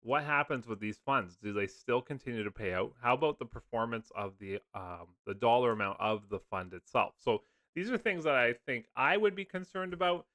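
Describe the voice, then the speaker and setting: This finance video host is a man just getting over a cold, speaking at normal speed with a medium-pitched, animated voice that sounds pushed and bright. He explains funds in a loose, chatty screen-share video packed with fillers, and the audio has no echo.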